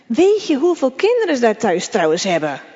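A woman's voice: on the high side, huge pitch swings, brisk, a little mellow, long reverb tail, lo-fi sound. A woman voicing a mean schoolboy bully in a read-aloud story, taunting and mocking.

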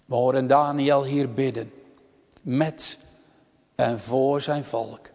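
A man preaching a sermon in a slow, solemn, deliberate way with long pauses. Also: medium pitch, steady tone, darkish tone. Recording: long church reverb, dull lo-fi sound.

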